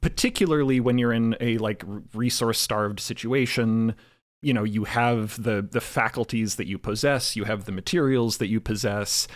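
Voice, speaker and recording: A man with a somewhat low voice speaks in a casual panel discussion. He is thoughtful and a little halting, often restarting a phrase before he carries on. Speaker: podcast co-creator and panelist.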